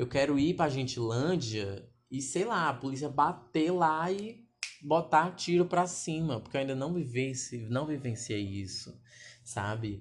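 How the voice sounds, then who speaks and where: A man talks at a fairly slow pace with a fairly high pitch. His intonation is lively and his voice somewhat breathy. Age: 20s. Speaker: solo podcaster. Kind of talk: casual monologue. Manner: hesitant, with fillers and repetitions.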